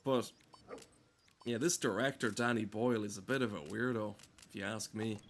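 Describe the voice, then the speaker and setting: A man's voice: fairly low pitch, fairly even intonation, moderate pace, a little hiss or hum. A man giving casual, rambling gameplay commentary in a sardonic, exasperated and sweary way. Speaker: game streamer.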